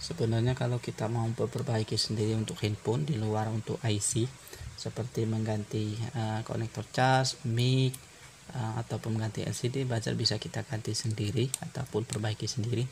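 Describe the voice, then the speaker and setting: A man giving an informal hands-on repair tutorial, explaining step by step in a halting way with pauses. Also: lowish voice, flat delivery, slight background noise. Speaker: phone repair tutorial presenter.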